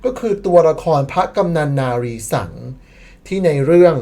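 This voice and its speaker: A woman's voice: fairly low pitch, normal speed, warm tone. A woman narrating a scripted history commentary as the channel admin, playful and sarcastic, with bursts of mock disbelief.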